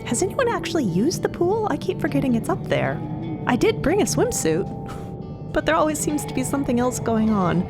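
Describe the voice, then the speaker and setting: A woman's voice: sits high, huge pitch swings, moderate pace, exaggerated voice. A woman narrating a fiction podcast and voicing dialogue in a wry, conversational manner. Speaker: narrator and character player. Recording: voice under loud music bed.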